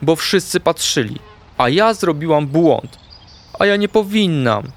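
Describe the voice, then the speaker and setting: A small, anxious kitten who always wants to be perfect, played by a man reading a children's storybook. She sounds timid and unsure, in a raised, lively voice. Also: on the high side, measured pace, pitched above the performer's own voice. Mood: upset.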